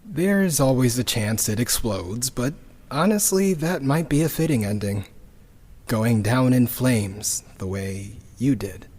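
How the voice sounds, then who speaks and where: Long reverb around a weary, grieving man, husky and very unhurried, halting confessional monologue for sci-fi audio drama. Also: mid-range voice, expressive, a little mellow. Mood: somber, wry. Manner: halting, sighing, subdued, confessional. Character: grieving, weary man about to launch a rocket. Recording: long reverberant hall echo.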